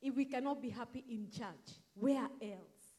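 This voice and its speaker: A woman's voice: fairly high pitch, measured pace. A woman, a pastor's wife, thanking the congregation and praying over them in church. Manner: warm, prayerful and gracious. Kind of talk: church address.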